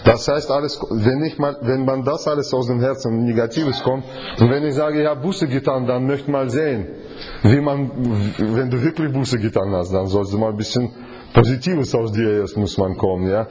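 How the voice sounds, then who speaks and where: A preacher leads a Bible study with an informal sermon, halting through many restarts and fillers and posing rhetorical questions. His voice is medium in pitch with a darkish tone.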